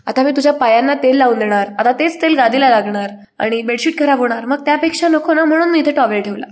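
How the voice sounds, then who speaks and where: A woman's voice: high-pitched, lightly acted. A woman voicing a boastful, playful young husband who insists and teases, in a retold story. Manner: teasing, insistent, quick repeated pleas. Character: boastful playful young husband, pleased with his own jokes.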